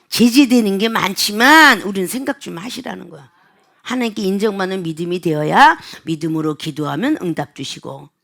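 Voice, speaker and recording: A woman's voice: medium pitch, gravelly. A middle-aged woman pastor giving a sermon, telling everyday stories and acting out both sides of the dialogue. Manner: animated storytelling with acted-out dialogue.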